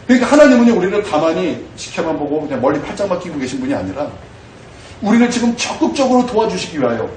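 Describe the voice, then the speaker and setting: A man with a high voice preaching a sermon, his delivery climbing into loud, shouted declarations. He is heard from a distance in a reverberant church, with a faint hiss underneath. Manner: preaching with rising shouted exclamations. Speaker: pastor. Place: church sanctuary. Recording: echoey room from far off with faint noise.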